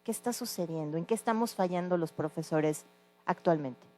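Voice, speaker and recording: A woman's voice: on the low side, normal speed, a little mellow, slight background noise. A woman interviewing a former teacher, asking earnest questions with some hesitation.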